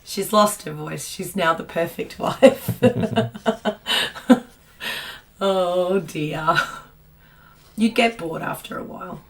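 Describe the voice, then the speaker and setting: Woman, hoarse, raspy, low, set back from the mic. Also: drawn-out words, pauses often, recorded from a distance. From Australia. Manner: chatty, reads viewer comments aloud, laughs often. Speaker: co-host of craft livestream. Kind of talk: casual livestream chat.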